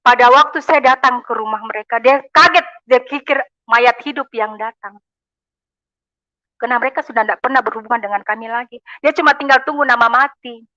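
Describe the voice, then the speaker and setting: A woman from Makassar, Indonesia, gives a fervent church testimony, calling her listeners brothers and sisters. Her voice is a little high, brisk, and sharp, and the recording is dull, lo-fi, and dry with no echo.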